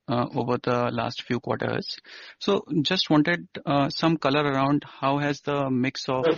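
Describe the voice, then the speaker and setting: A man's voice: mid-range voice, vocal fry, a bit bright, no echo. Male analyst on a dull line. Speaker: analyst asking questions. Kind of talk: unscripted question on earnings call. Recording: dry but muffled phone conference audio.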